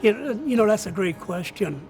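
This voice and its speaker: Older man, high creaky voice. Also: animated, a little fast, darkish tone, soft background music. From outside the United States. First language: not English. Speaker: college soccer coach. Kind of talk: interview answers.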